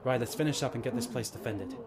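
A commanding male soldier voiced by a man in an audio drama. He is mid-pitched and brisk, with clear noise around him. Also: lightly acted. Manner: brisk orders. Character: commanding, no-nonsense male army lance corporal. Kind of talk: amateur audio drama acting. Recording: noisy background ambience.

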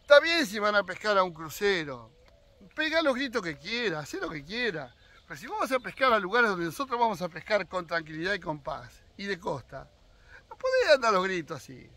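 Older Argentine man, 60s, fishing vlogger; bright, animated, opinionated straight-to-camera talk. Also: high-pitched, fairly quick. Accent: Argentine Spanish. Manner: opinionated, talks straight to viewers. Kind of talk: casual opinion monologue. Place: outdoors on his own rural land.

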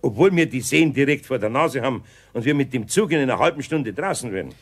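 An actor playing an older, good-natured but grumbling master carpenter in a children's audio play, with a Bavarian accent and a gravelly, husky voice. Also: male voice, mid-range voice, expressive, fast. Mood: friendly.

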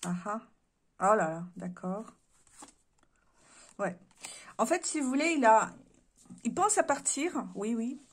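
A woman's voice: fairly high pitch, expressive, takes it slowly, long pauses, slightly rough. A woman doing a casual card reading to camera indoors, musing aloud with many hesitations and her voice giving out. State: voice giving out, clears throat. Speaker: card reader. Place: room indoors.

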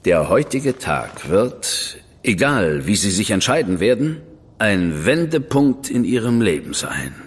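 A stern, powerful government man in a radio drama, with a lowish voice whose pitch rises and falls a lot. He is curt and cool, gives orders without warmth, and a long reverb trails behind each line. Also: very animated, a little slow, slightly rough, exaggerated voice. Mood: stern, warning. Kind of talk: German studio radio drama acting.

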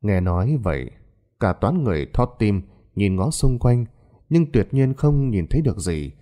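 A man narrating a horror story in a dramatic, expressive scripted style. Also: fairly low pitch, normal speed.

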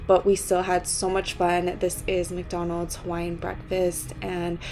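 Chatty young woman with a hoarse voice. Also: on the low side, completely flat delivery, a little slow, a little mellow, slight background noise. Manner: chatty, rambling, laughs between phrases. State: hoarse, lost voice. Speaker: travel vlogger. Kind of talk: casual vlog voice-over and to-camera talk.

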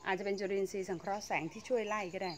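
A woman's voice: mid-range voice, little pitch movement, racing, noisy background. A woman giving a chatty, casual tour of her home vegetable garden, exclaiming and laughing as she shows the plants. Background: birdsong.

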